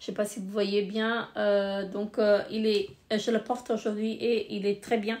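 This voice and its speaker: In a very clean recording with a silent background, a woman speaks very slowly at a fairly high pitch with monotone, flat intonation. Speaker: beauty vlogger. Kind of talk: casual product review vlog. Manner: halting, many fillers.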